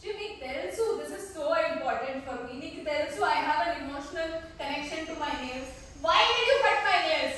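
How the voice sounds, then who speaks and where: Indignant high-pitched woman, echoey room. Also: animated, takes it slowly, few pauses, sharp tone, far from the mic, a little hiss or hum. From Bengaluru, India. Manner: indignant, scolding, mixes in English phrases. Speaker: vlog co-host. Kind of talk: casual couple prank vlog. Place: indoors at home.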